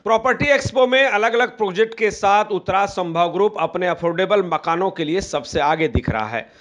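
A man's voice: high-pitched, a bit bright. A man reading a formal, scripted news voice-over. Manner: formal and measured.

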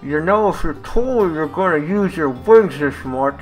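A woman's voice: sits low, lively intonation, unhurried, darkish tone. Woman as cartoon farm pony, stubborn, blunt, grumbling, competitive, music behind. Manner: blunt, grousing. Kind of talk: cartoon parody dub.

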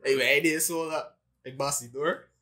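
A man's voice: on the high side, steady tone, fairly quick, sharp tone, a little hiss or hum. A man co-hosting a podcast, telling a story in casual chat and acting out the people he quotes. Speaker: podcast co-host.

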